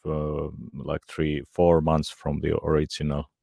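Deep-voiced, modest man. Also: monotone, measured pace, creaky, mellow, husky, no echo, studio quality. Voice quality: very low, deep voice. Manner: modest, brief answers. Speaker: singer, interview guest.

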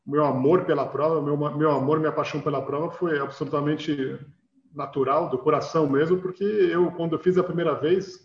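A man from Brazil, a guest in an interview, telling his story in a measured, earnest way. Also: on the high side, steady tone, vocal fry, reverberant, dull audio. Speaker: guest, marathon runner. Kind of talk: casual interview answers.

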